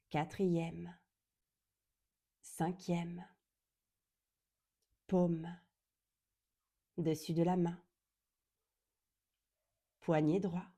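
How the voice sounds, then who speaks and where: A woman leads a guided meditation in a fairly low, very warm and relaxed voice. Her pace is slow and deliberate, with long pauses between short phrases. She sounds calm, gentle and soothing throughout. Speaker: yoga nidra guide.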